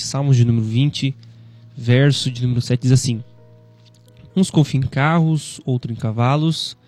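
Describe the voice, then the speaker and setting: A man in his thirties with a Brazilian Portuguese accent, hosting a devotional radio talk in a conversational, gently preaching way, often tagging lines with "né". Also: medium pitch. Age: 30s.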